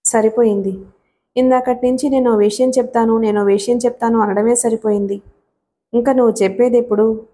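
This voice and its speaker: Teasing young woman, quick and playful, narrator's own voice. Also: a little high, steady tone, warm tone, lightly acted.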